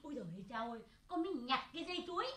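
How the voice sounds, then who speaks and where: Woman doing a silly clown servant guy, super high squeaky voice, giggles and puns, echoey stage. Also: big pitch swings, racing. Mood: giggly, teasing. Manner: giggling, punning, sing-song. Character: bumbling joking male clown servant. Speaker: clown in folk theater. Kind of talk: traditional folk opera comedy.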